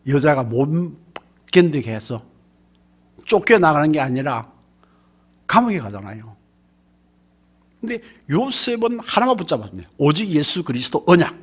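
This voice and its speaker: A middle-aged male pastor with a Gyeongsang accent preaching a sermon, animated, full of rhetorical questions, calling on the congregation to answer. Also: high voice. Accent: Gyeongsang Korean.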